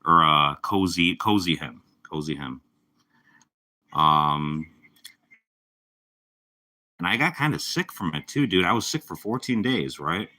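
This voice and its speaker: A young man with a slightly raspy voice from a cold, chatting casually and rambling on a live stream. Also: low-pitched, expressive, takes it slowly, long pauses, pushed and bright. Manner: rambling, laid-back, lots of fillers. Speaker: livestreamer.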